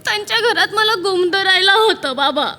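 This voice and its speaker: A woman's voice: extremely high pitch, animated, moderate pace, over music. An actress playing a dramatic, clingy young married daughter who whines and weeps to her father in a stage comedy sketch. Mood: whining. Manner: tearful, whining, calls her father constantly.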